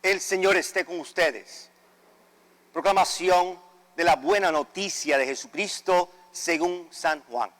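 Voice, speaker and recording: A priest reads the Gospel in a large church, slow and solemn, with the odd small stumble. His voice sits a little high for a man. Everything rings out in a long cathedral echo. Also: a bit bright. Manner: measured, solemn reading with small slips. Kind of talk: reading the Gospel at Mass.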